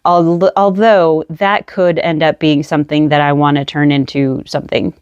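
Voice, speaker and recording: A woman's voice: low voice, level tone, normal speed, a little mellow, clear, resonant tone, dry recording, highs cut off. A woman vlogging casually at a table, musing aloud about her yarn, slightly out of breath, with many ums. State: a little out of breath. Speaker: craft vlogger. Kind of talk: casual show-and-tell chat.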